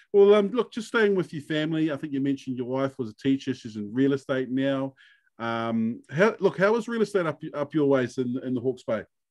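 Against a quiet background, a man with a New Zealand accent talks at a fairly quick pace in a fairly high pitch. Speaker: podcast host. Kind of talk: casual interview.

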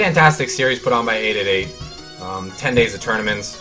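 At a moderate pace, the voice is heard with clear music in the background. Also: man. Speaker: poker streamer. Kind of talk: casual live stream commentary.

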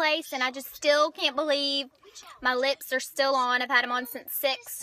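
A woman uses a raised, projected voice with a bright, sharp tone. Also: dry sound with no echo. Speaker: lip product seller. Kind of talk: casual vlog chat. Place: car. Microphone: phone near.

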